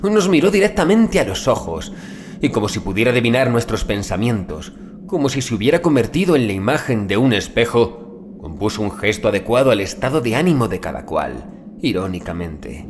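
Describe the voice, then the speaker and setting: A man reading a scripted horror story as an audiobook narrator, in a grave, deliberate dramatic manner with drawn-out phrase endings. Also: medium pitch, big pitch swings, a little hiss or hum. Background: music bed.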